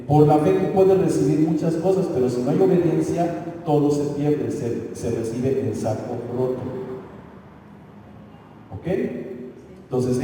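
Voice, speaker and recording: A man's voice: a little high, warm tone, a little hiss or hum. A pastor preaching a sermon in a conversational way, often stopping to ask his listeners if they follow him. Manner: conversational preaching with rhetorical questions. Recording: echoey church hall from far off.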